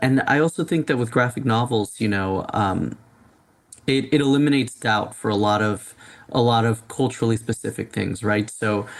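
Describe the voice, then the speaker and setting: With a Spanish accent, a man talks at a medium pitch and moderate pace, with very even loudness and ordinary pitch variation. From Miami, Florida (Cuban and Colombian family). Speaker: graphic novel writer. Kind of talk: interview. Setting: video call.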